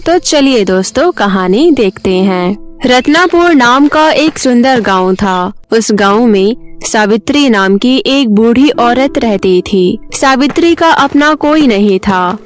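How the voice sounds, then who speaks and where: A woman storyteller reading a scripted children's story as narrator. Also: on the high side.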